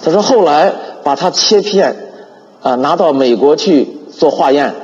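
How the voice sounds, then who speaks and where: A man giving an animated sermon testimony, telling his story with frequent filler sounds and repeated words, on a dull lo-fi recording with long hall reverb. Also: on the high side, a little slow.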